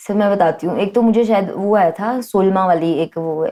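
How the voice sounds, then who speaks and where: A woman in an animated tone with ordinary pitch variation, music in the background. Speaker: social media dancer and model. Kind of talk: casual interview.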